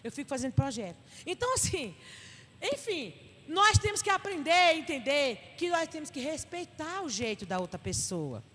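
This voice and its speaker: A middle-aged woman pastor with a Northeastern Brazilian accent gives an animated, emphatic church Bible study talk. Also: high voice, moderate pace. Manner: animated and emphatic, acting out little dialogues. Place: church hall. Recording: reverberant church hall with faint noise.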